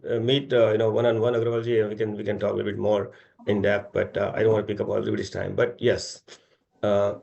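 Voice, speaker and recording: Indian guy exec on an investor call, creaky voice, kinda rambly, middle aged, informal. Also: lowish voice, dark tone. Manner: rambling, repeats tag question "is it correct". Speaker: company executive answering investors.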